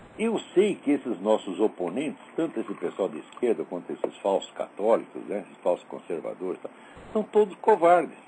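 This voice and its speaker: A man speaks at a moderate pace. His loudness swings in a big way. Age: 60s. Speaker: philosopher and radio host. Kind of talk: opinion monologue. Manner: animated.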